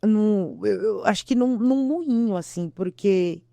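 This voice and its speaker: Uma mulher com sotaque brasileiro dá um testemunho de fé emocionado numa entrevista, repetindo frases e encenando falas. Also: female voice, medium pitch, measured pace, vocal fry, dark tone, no echo. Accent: Brazilian Portuguese. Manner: earnest, repeats herself, acts out quotes. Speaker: interview guest. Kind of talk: emotional testimony.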